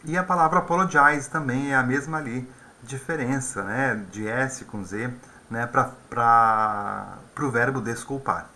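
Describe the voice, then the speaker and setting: A man's voice: medium pitch, normal speed, few pauses, pushed and bright. A man teaching an English lesson in a conversational way, often tagging his sentences with questions. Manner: conversational, with frequent tag questions. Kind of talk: video lesson explaining vocabulary.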